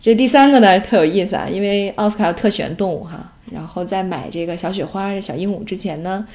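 A woman's voice: mid-range voice, brisk, darkish tone. A woman in her forties from China, a mother chatting casually through family anecdotes, full of fillers with some English mixed in. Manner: chatty, with many fillers and Mandarin-English mixing. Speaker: mother, vlogger. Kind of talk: casual storytelling.

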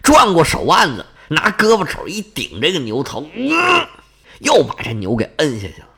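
Male oral storyteller, animated and vivid, slightly high, very expressive pitch. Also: moderate pace, slightly rough. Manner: animated, vivid sound words.

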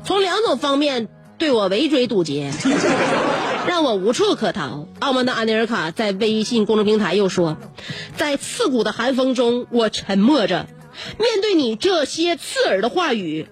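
A woman's voice: fairly high pitch, very animated, moderate pace, faint music behind. Playful woman radio host, laughing. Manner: playful and teasing, laughs often. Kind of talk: casual radio chat reading listener messages. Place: radio studio.

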